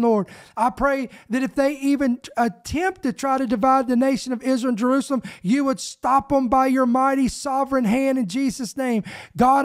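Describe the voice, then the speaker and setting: A middle-aged man preaches and prays on his ministry podcast, fervent and emphatic. He speaks close into a boom microphone in a small home studio. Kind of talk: podcast preaching and spoken prayer. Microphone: boom microphone close to the mouth.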